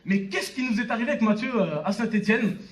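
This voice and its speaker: A young man in his twenties delivers a motivational speech from a stage, picked up from some distance. His voice sits high for a man, and he talks straight to his listeners with personal anecdotes and frequent short check-ins. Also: lively intonation, quick pace. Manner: direct audience address with repeated check-in tags. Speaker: motivational speaker at a network marketing conference. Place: on stage in a conference hall. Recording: live stage talk, distant from mic.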